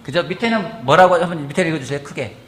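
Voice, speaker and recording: A man preaching a sermon in a church, asking the congregation questions and acting out quotes in a lively way. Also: fairly high pitch, very fast, background noise. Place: church sanctuary. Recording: echoey church hall with faint ambience.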